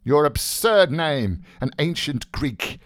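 A man's voice: a little high, sing-song, a little slow, no echo, clean studio sound, pitched above the performer's own voice. A man voicing an exuberant, mocking young joker who declaims with mock solemnity in a dramatised novel reading. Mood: brisk, gleeful.

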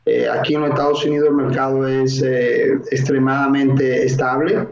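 A man from the Dominican Republic, a mortgage broker and investor, explaining slowly in an interview with many filler sounds. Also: mid-range voice, little pitch movement, vocal fry, darkish tone. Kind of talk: interview answers. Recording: roomy, dull lo-fi sound.

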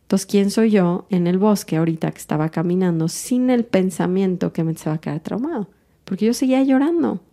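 A woman hosting a podcast, calmly talking through her own emotions in a reflective monologue. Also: mid-range voice, a little fast. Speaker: podcast host.

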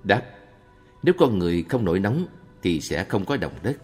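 A man reading a monk's answers aloud in a calm, measured Buddhist question-and-answer recording. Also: low-pitched, husky. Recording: long reverb with faint background music.

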